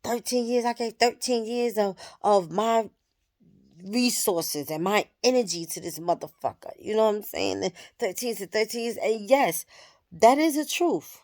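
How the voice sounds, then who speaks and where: A woman in her thirties, a vlogger, speaks candidly to the camera in a personal, reflective monologue, swearing freely as she thinks out loud. Her voice sits at medium pitch with a darkish tone, and she talks at a normal speed.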